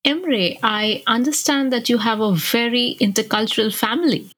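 Husky-voiced woman from India. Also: on the high side, normal speed, a bit bright. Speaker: podcast co-host. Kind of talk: podcast conversation.

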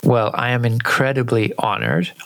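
A man's voice: mid-range voice, lively intonation, normal speed, vocal fry, fairly bright tone, poor audio. A man hosting a podcast, who guides the conversation and explains concepts. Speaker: podcast host.

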